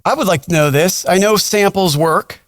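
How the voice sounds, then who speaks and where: A man with a notably high voice hosts a casual podcast interview. He asks questions conversationally, and the recording is dry with little room sound. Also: normal speed, no room sound.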